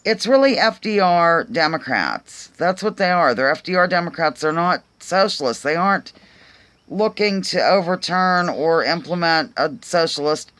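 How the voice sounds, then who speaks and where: Woman vlog host, Pennsylvania accent, bright voice, meandering and unscripted with frequent pauses and fillers. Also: fairly low pitch, lively intonation. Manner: rambling, hesitant, many ums and restarts; earnest, questioning. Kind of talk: casual musing monologue to viewers.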